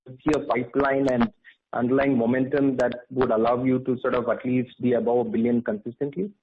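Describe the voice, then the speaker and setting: A man asking questions as an analyst on an earnings call, polite and very halting as he builds each question. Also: medium pitch, flat delivery, slightly rough. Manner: very hesitant, halting, polite phrasing. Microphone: phone. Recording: dull phone line with faint noise.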